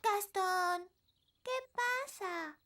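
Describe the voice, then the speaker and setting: A woman's voice: very high voice, extremely slow, noisy background, heavily acted. A woman voicing a cheerful, curious little fairy princess girl in a children's cartoon dub, with a Latin American Spanish accent. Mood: concerned. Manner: childlike, giggly, exclaiming.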